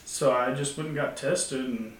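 A man's voice: mid-range voice, normal speed, far from the mic. A man telling stories in a loose, laughing way, swearing freely as a podcast co-host. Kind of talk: casual storytelling chat. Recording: echoey room, off-mic, faint noise.

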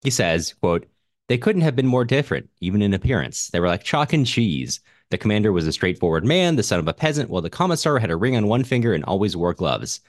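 Man, podcast co-host, very low pitch, wry book talk, dry close sound. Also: sing-song, quick pace, no room sound. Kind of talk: casual book discussion, reading out listener comments.

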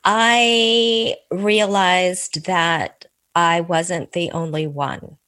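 Woman guest, first language korean, slow unhurried speech, thoughtful, dry close mic, middle-aged. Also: fairly low pitch, steady tone, no room sound. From Korean American, immigrated as an infant. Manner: thoughtful, measured, with soft laughs and restarts. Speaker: author and podcast guest. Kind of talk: reflective interview answers.

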